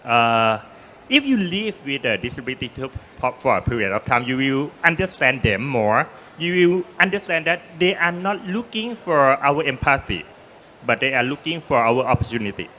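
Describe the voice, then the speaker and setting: Panelist: bright-toned man, earnest, stumbles when starting. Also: medium pitch, sing-song, moderate pace, slight background noise. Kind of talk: panel discussion.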